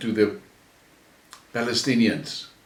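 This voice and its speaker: A man of medium pitch speaks with a South African accent. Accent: Afrikaans South African English. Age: 70s. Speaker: political commentator vlogger. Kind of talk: opinion rant monologue. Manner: heated, emphatic.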